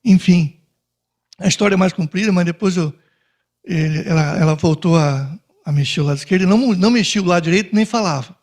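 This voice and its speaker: A man's voice: sits high, fairly quick, a little mellow. A man preaching a testimony, animatedly telling a story and acting out the dialogue. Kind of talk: sermon testimony.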